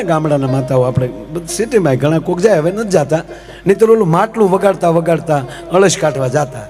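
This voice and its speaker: A man performs comic folk storytelling live. He chats with his listeners and keeps asking them rhetorical questions. Instrumental music plays clearly behind him. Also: fairly high pitch, a little mellow. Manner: chatty, addresses the audience as "sir", rhetorical questions.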